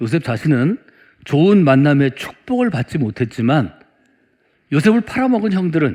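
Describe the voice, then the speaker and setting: A man with a fairly high pitch speaks fairly slowly over a quiet background. His pitch swings very widely. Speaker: pastor. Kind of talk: sermon. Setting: church.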